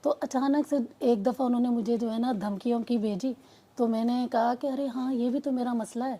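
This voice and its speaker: A woman recounts her own experience as a personal testimony. She speaks in a somewhat high yet mellow, soft-edged voice. She rambles earnestly, breaks off and restarts her sentences, and acts out the conversations she describes. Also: fairly even intonation. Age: adult mother. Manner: earnest, rambling storytelling with many restarts and quoted dialogue. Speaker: client giving a testimonial.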